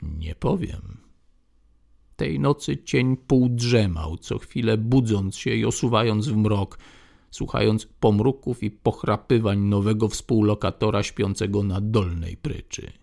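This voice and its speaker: A man narrating an audiobook in a steady, measured way. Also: fairly low pitch, vocal fry. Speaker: audiobook reader.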